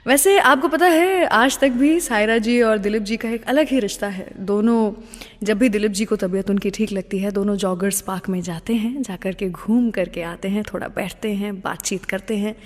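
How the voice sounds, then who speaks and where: A woman's voice: medium pitch, moderate pace, big-room sound. A woman with an Indian accent presenting a radio show in a chatty, conversational storytelling way, speaking directly to listeners and mixing in English phrases.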